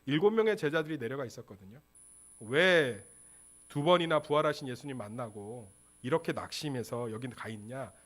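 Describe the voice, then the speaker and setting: A man preaching a Sunday sermon as pastor, asking the congregation questions and answering them himself, with emphatic, animated delivery. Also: medium pitch, moderate pace. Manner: call-and-response questions to the congregation, lively and emphatic; acts out quoted lines in a casual voice. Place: church sanctuary.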